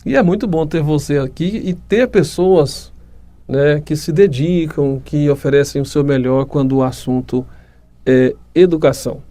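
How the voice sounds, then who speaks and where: A man's voice: a little high, normal speed, warm tone. A man with a Goiás Brazilian accent hosting a podcast, upbeat and complimentary, asking questions and speaking to the audience. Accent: Brazilian Portuguese, Goiás. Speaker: podcast host.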